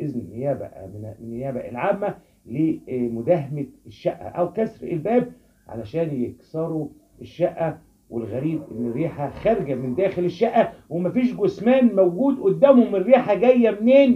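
Big swings in loudness and very wide pitch swings mark a man's high-pitched voice. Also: fairly slow pace. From Egypt. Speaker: crime news presenter; crime story narrator. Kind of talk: news narration. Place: home room. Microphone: phone near.

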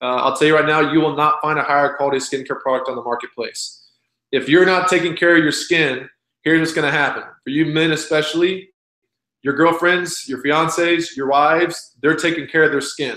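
Against a quiet background with audible room echo, a man speaks at a fairly quick pace in a bright, sharp tone with fairly even intonation. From Texas. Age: 30s. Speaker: network marketing presenter; presenter. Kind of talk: sales pitch. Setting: video call. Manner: casual. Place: home room. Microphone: webcam.

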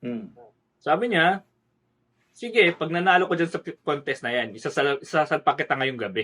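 Bright and sharp in tone, a man with a fairly high pitch speaks at a moderate pace, making very wide pitch swings and taking long, frequent pauses. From Philippines, Baguio (Igorot). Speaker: BPO employee, Instagram model. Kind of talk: casual interview.

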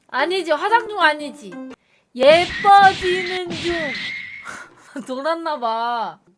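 The speech moves at a very slow pace with long, frequent pauses. The pitch makes very wide swings. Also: woman, high pitch for a woman. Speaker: livestreamer. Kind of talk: casual livestream talk.

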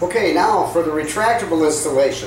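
A high-pitched man's voice with audible room echo and light background noise. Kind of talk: tutorial. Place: garage. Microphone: camera far.

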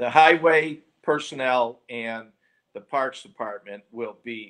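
A man speaks with fairly even intonation. The background is quiet. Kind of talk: interview answer. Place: office. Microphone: video call.

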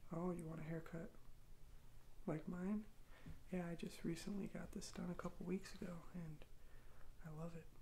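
A soft-spoken man at a moderate pace, high-pitched, gentle and dark, mellow in tone, flat and monotone, over light background noise. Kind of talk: ASMR role-play talk. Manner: soft-spoken, gentle ASMR barber voice. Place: home room. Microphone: phone near.

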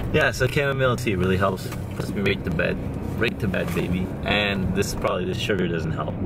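Loud background noise surrounds a man talking at a fairly quick pace, the sound dry with no echo. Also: ordinary pitch variation. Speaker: vlogger. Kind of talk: casual vlog chat. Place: car. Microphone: phone near.

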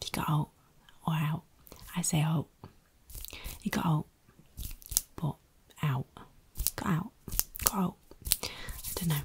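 A soft-spoken woman whispers at a moderate pace with long, frequent pauses. Light background noise is audible. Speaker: ASMR creator. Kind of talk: soft ASMR word repetition with casual chat. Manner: soft close-up ASMR whisper.

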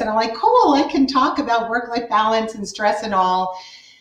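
A woman speaks at a moderate pace. The background is quiet, though room echo is audible. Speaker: business founder and speaker. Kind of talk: interview. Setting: video call. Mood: warm, candid. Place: home room. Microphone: video call.

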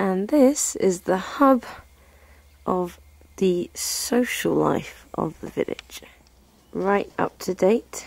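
Speaking with a British accent, a woman uses a medium pitch. Her pace is very slow, with long, frequent pauses. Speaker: vlogger. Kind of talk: mock tour-guide commentary, deadpan spoof narration. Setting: outdoors, walking around a village. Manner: playful mock-formal guide tone.

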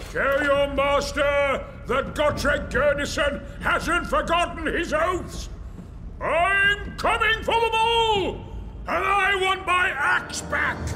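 A man shouting in a put-on character voice at a very slow pace, with loud background noise. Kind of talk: audio drama.

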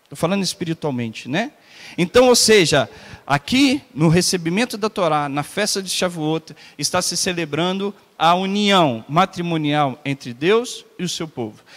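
Lively intonation marks this man's high-pitched speech, with big swings in loudness. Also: fairly slow pace. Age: 30s. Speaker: pastor; preacher. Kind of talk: sermon. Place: church. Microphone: handheld.

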